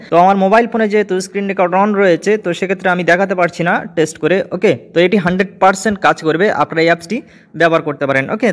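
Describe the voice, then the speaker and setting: A man hosting a step-by-step app tutorial, mixing English words into his speech. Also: sits high. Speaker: tech tutorial host.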